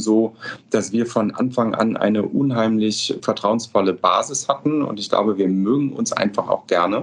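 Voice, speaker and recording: With an ordinary speaking voice, a medium-pitched man talks at a moderate pace with ordinary pitch variation. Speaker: real estate executive. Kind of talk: interview. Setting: office, remote call.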